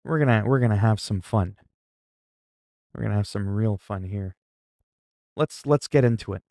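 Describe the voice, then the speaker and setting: A man hosting a livestream, chatting loudly in a mock-stern, profane way with quick swings in volume. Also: lowish voice, dry recording, studio quality. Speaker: livestream host. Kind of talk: casual livestream chat.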